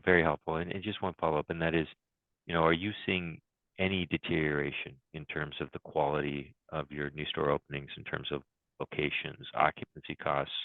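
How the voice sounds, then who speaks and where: Analyst guy, super deep voice, polite questions, bit halting, sounds like a phone line. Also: level tone, creaky, no room sound. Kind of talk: polite questioning on a business call. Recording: thin phone-like call line, dry.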